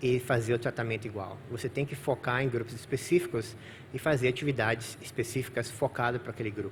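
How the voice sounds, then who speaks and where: Somewhat breathy medium-pitched male voice, fairly quick pace, fairly even intonation. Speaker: neurologist and research professor. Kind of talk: conference lecture. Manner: fast.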